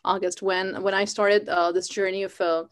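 A woman's voice: medium pitch, level tone, normal speed. A woman in her thirties from Pakistan, an Urdu speaker, hosting a live interview over a video call from home with many fillers. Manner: warm, earnest, many fillers. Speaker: host. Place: home room, indoors.

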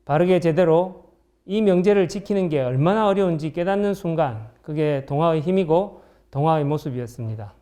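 A man's voice: on the high side, normal speed, dark tone. A man speaking as a company chief executive in a formal, prepared interview statement.

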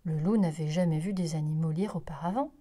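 Mellow-voiced woman reading a children's story. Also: deep voice, brisk. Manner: expressive, lively storytelling. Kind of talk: children's story read-aloud.

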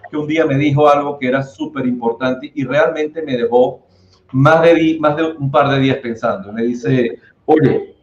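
A man's voice: on the high side, darkish tone. Chatty man hosting a video call. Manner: enthusiastic, chatty, uses filler "este". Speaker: webinar host. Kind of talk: hosting a webinar panel. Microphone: video call, laptop mic. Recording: roomy, dull video call audio.

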